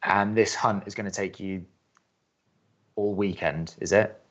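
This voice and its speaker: Low-voiced wry college radio skeptic. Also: male voice, steady tone, unhurried, highs cut off. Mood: hesitant, guarded. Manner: hesitant, dry, sardonic. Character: Drew, wry reluctant skeptic male college radio co-host. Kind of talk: naturalistic audio drama acting.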